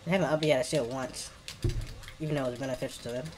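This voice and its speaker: A gaming streamer with an African American English accent gives casual, slangy live commentary and mutters reactions to the play. The voice is medium-pitched with fairly even intonation and a quick pace. Keyboard clicking and clear background noise can be heard.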